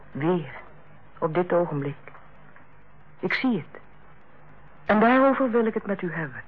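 A composed, diplomatic hospital director in a radio drama. She speaks formally and with measured care, at a medium pitch. The sound is thin and narrow, like an old broadcast. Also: breathy edge. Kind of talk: Dutch radio play acting. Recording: tinny, narrow-band old radio recording.

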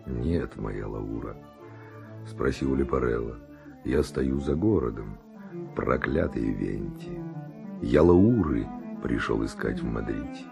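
An actor playing a bold, passionate Spanish nobleman and seducer in a verse radio drama, declaiming ardently in a gravelly, husky voice. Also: very deep voice, lively intonation, slow pace, over music, heavily acted. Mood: guarded, brisk.

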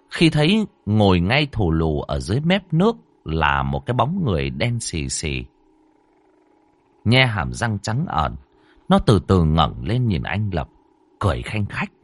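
A man's voice: fairly low pitch, dry recording. A man narrating a ghost story in a suspenseful, dramatic way.

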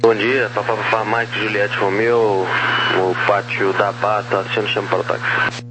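Low flat guy on crackly military radio, clipped air traffic talk, lots of static. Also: normal speed. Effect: aviation radio. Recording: crackly, very noisy radio transmission.

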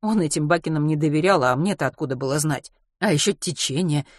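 A narrator reading a young woman's lines in a soft, confiding way in an audiobook. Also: low-pitched, quick pace, no echo, clean studio sound. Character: young woman recalling a harsh island winter.

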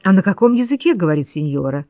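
A woman's voice: on the low side, very animated, quick pace, dry recording. A woman reading the lines of a blunt, insistent male taxi driver in an audiobook, with little change from her own voice. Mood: puzzled, insistent. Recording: dull lo-fi dry studio read.

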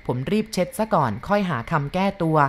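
A woman narrating a first-person story from a boy's point of view in a calm, measured reading. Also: fairly low pitch.

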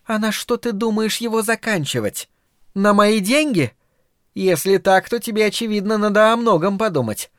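A cruel, shrill middle-aged mother, as a male narrator puts her on, screeching and sneering in an audiobook. The voice sits high and sharp with biting sarcasm. It is recorded close and dry. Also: expressive, moderate pace, dry recording. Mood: cold sarcasm. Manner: shrieking, scornful, biting sarcasm. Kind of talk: audiobook character voice.

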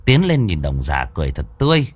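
A man narrating a ghost story in a dramatic, expressive way. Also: sits low, fast.

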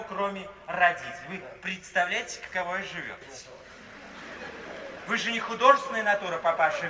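Brief: flippant young scamp, distant in a reverberant hall. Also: male voice, high voice, bright, forceful tone, slight background noise. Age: young adult. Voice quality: playful, mocking. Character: cheeky, flippant young man, a charming idler. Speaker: pastor's son. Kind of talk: 1950s radio play acting. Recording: echoey distant old radio play recording.

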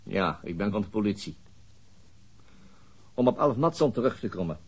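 A man's voice: lowish voice, expressive, normal speed, darkish tone, husky. An actor in a radio drama playing a stern police detective, curt and controlled as he questions a suspect. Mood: probing.

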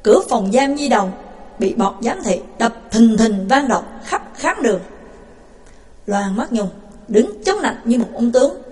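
A woman narrating an audiobook story with vivid, expressive delivery. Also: fairly high pitch, a little slow.

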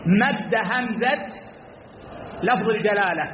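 A man teaching a religious lesson, speaking slowly and repeating key phrases for emphasis. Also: high-pitched, a little hiss or hum. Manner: addresses listeners as brothers; slow and deliberate, drawing out words. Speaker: Islamic scholar teaching a class. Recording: echoey hall over tinny lo-fi line.

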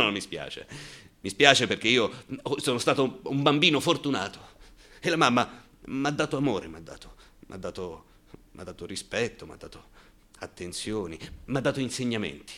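Low, tense, anxious gay man. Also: pushed and bright, heavily acted. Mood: pained, bitter. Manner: confiding, halting and repetitive, breaking into bitter outbursts. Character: anxious, bitter gay man recalling his terrified youth at army call-up. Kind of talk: theatrical radio monologue.

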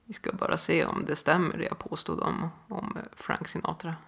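A young man co-hosts a casual podcast from a living room. His voice sits a little high and gravelly, with a bright edge. He talks in a loose, chatty way, full of fillers and restarts. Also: steady tone. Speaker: podcast co-host. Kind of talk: casual chat.

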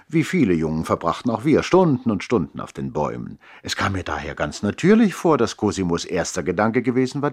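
A reflective narrator in a 1960s radio play. His voice is low and husky, and he tells the family story with measured, literary expression. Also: heavily acted. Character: reflective adult brother recounting childhood memories.

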